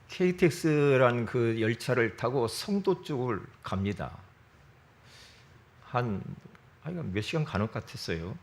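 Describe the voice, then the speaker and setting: A middle-aged man delivering a sermon from the pulpit, his pitch swinging widely as he tells stories full of interjections. His voice sits on the low side, and his throat sounds a little strained. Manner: lively storytelling with interjections and self-corrections. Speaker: pastor.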